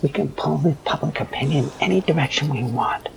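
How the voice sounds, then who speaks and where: An actor playing a cynical, fearful newsroom worker in an audio drama, cautioning and lecturing in a hushed manner. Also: male voice, a little high, brisk, creaky, slight background noise. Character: cynical, fearful male newsroom worker who obeys management.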